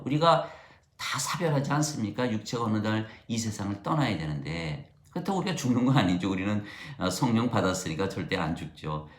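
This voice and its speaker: In a reverberant recording, a middle-aged man with a lowish voice preaches a sermon. He tells stories and acts out the voices of the people in them.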